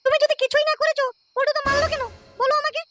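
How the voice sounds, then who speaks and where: A woman's voice: very high voice, little pitch movement, rapid-fire, loud music behind the voice. A woman voicing an anxious, nagging village wife in a comic cartoon, with a questioning, plaintive delivery. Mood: worried, nagging.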